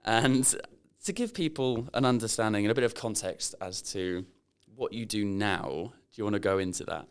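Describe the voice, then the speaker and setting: Smooth-voiced man hosting a podcast. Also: lowish voice, normal speed. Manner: friendly, chatty questions with light laughs. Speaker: podcast host. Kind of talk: casual interview chat.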